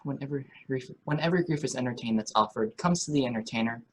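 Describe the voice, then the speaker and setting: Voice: medium pitch, fast talker, a little hiss or hum, natural voice. A performer reading a kindly, talkative, optimistic old courtier in a Shakespeare radio play, with earnest, wordy delivery.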